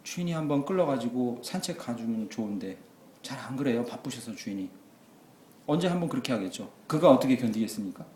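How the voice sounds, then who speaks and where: A man preaching a sermon as pastor, moving between quiet asides and loud exclamations. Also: medium pitch, expressive, quick pace, a little hiss or hum. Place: church sanctuary. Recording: echoey church hall.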